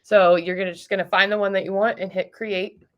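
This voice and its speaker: A woman's voice: medium pitch, little pitch movement, brisk, lo-fi sound. A young woman presenting a casual tutorial, informal and instructive. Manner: informal, instructive, asks short questions.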